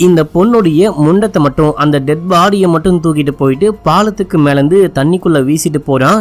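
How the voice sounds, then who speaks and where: An unremarkable speaking voice comes from a man with a fairly high pitch. Its pitch variation is ordinary. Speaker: movie explainer voice-over narrator. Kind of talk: movie story explanation voice-over, casual talk to camera. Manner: chatty, friendly.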